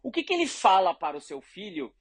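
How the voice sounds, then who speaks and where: Education leader, husky, dry close sound, makes the case through anecdotes. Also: mid-range voice, fairly quick, no room sound. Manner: earnest, animated, argues through examples. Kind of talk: conversational storytelling.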